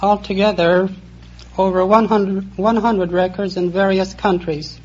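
A woman in her forties from Poland answers a quiz host in a hesitant, halting way. The sound is dull and lo-fi, like an old radio broadcast. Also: mid-range voice, fairly even intonation, darkish tone. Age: 40s. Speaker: quiz contestant.

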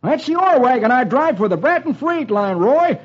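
A man voicing a panicky, excitable old male wagon driver in a radio comic reading, yelping his lines. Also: extremely high pitch, moderate pace, breathy edge, voice pushed up, exaggerated voice. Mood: agitated. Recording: dull old radio broadcast, faint hiss.

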